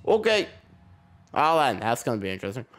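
A man's voice: mid-range voice, very animated, brisk, a bit bright. A young man with a sore throat and slight cough, giving rambling, self-deprecating casual commentary on a game he plays and chuckling often. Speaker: gaming channel host. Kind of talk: casual let's play commentary.

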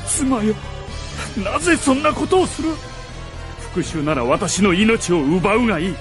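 An anguished, guilt-ridden father of noble house, in a radio drama. His high voice pleads theatrically with slow, heavy delivery over music. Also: big pitch swings. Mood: desperate pleading. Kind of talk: Japanese radio drama acting.

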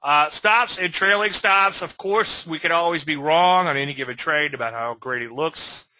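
Bright-voiced Cajun man teaching trading. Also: a little high, moderate pace, no echo, rough recording. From Louisiana. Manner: folksy, asks okay often, self-deprecating asides. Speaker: trading educator. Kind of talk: screen-share webinar lecture.

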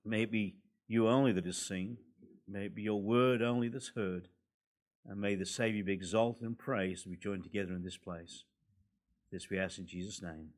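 An older man in his sixties with an Australian accent, a guest preacher at a church pulpit, a little hoarse from a recent cold, building to forceful, emphatic preaching. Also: lowish voice, fairly even intonation, normal speed. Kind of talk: sermon. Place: church hall, indoors. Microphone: pulpit microphones.

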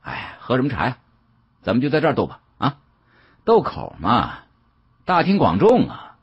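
Man doing a brash, husky challenger. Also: mid-range voice, wildly swooping pitch, moderate pace, lo-fi sound, voice pushed up, heavily acted. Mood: challenging. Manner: loud, blunt and provoking.

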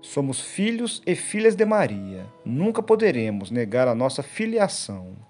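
A man reading the daily gospel and a short reflection in a solemn, measured liturgical manner. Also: mid-range voice, very animated. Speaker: gospel reader and preacher. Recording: soft instrumental music behind.

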